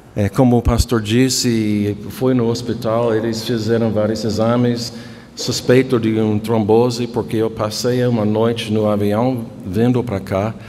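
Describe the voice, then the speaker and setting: At a very slow pace, a man speaks at medium pitch in a monotone, flat way, with noticeable background noise and audible room echo. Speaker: theology professor. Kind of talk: lecture. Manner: halting, many fillers.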